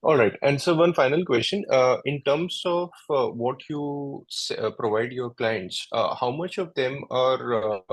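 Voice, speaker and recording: A man, an analyst asking halting, polite questions on a conference call. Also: mid-range voice, no room sound, rough recording. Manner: halting, polite, searching for words.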